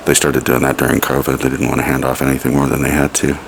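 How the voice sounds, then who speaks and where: A man's voice: very deep voice, completely flat delivery, quick pace, creaky, noisy background. An American man rambling casually in a wry, musing way as he narrates a vlog while exploring. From United States. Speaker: vlogger.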